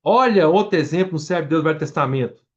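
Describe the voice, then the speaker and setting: A man's voice: a little high, lively intonation, quick pace. Brazilian man preaching, dull lo-fi sound. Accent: Brazilian Portuguese. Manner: reads scripture aloud verse by verse, restarting words and explaining as he goes; addresses the congregation directly. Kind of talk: Bible-study sermon.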